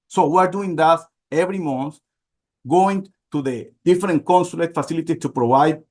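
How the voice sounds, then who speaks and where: A man from Venezuela, presenting slides on a webinar in halting speech with many repeats and fillers. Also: a little high. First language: Spanish.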